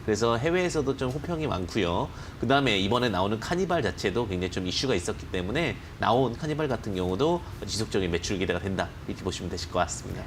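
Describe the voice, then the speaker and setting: A man analyzing stocks as a studio guest, talking quickly with a lively rise and fall. He piles up careful hedges as he explains, and a faint hum of room noise sits behind him. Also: lowish voice. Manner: rapid, explanatory, hedging phrases. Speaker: stock market expert guest.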